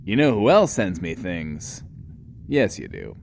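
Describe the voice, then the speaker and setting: Self-loving, soft-hearted male DJ, radio drama: lively theatrical emphasis, fairly deep, faint noise behind. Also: a little slow, creaky, exaggerated voice. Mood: smug, wheedling. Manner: pompous, theatrical, swooping emphasis. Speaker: radio host. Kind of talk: in-world radio show monologue.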